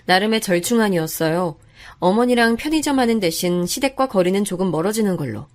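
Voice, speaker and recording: A woman narrating a first-person story in a calm, confiding way. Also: mid-range voice, brisk.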